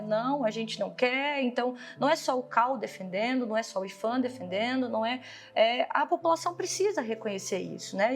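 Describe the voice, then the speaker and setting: A woman's voice: sits high, creaky. A woman with a Brazilian accent giving an explanatory interview answer, often checking in with short tag questions.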